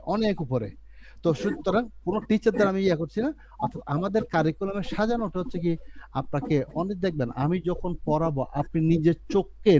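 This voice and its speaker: A man's voice: on the high side, darkish tone, slight background noise. A man teaching an English course on a video call, explaining earnestly and repeating himself, with frequent restarts. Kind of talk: online class lecture.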